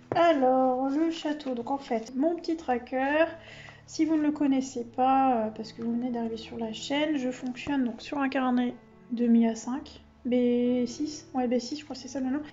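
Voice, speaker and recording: A woman with a high, mellow voice talks through her hobby notebooks in a loose, chatty flow. She keeps losing her thread and cutting herself off. The recording sounds slightly dull. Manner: rambling and self-interrupting, laughs at herself. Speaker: vlogger. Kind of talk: casual chatty vlog talk.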